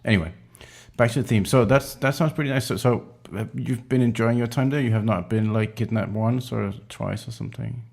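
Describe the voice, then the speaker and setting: A man hosting a casual interview, relaxed and joking, with short prompts. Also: mid-range voice, fairly quick, gravelly, few pauses. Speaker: podcast host.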